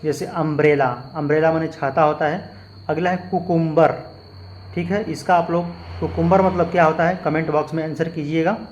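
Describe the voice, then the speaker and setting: Teacher, male, slightly raised pitch, patient explainer who spells words letter by letter, faint background hiss. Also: steady tone, brisk, darkish tone, muffled recording. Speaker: English teacher. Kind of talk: spoken lesson with spelled-out examples.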